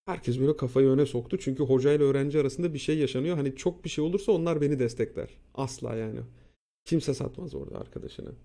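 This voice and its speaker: Gravelly dark-voiced man telling a story. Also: mid-range voice, quick pace. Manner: animated, profane, acts out quotes. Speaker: streamer. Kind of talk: casual storytelling.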